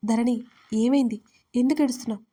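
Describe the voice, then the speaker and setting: A woman voicing a worried mother gently coaxing her daughter. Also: a little high, fairly even intonation, a little fast, natural voice.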